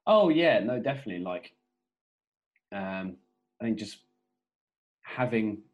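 A man's voice: fairly low pitch, big pitch swings, measured pace, lo-fi sound. A young man co-hosting a podcast over a video call, talking in a laid-back, rambling way with many fillers. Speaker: podcast co-host.

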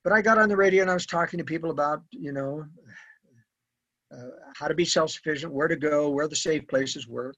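A man's voice: a little high, brisk, fairly bright tone, dry recording. An older man, an author, giving earnest, rambling interview answers full of fillers. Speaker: author and guest. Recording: dull lo-fi audio.

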